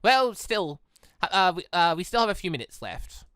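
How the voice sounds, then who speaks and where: Man reading as an earnest, bright-voiced young suitor. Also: sits high, animated, moderate pace, smooth, no room sound, studio quality. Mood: hopeful. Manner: sincere, slightly awkward. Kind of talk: visual novel read aloud.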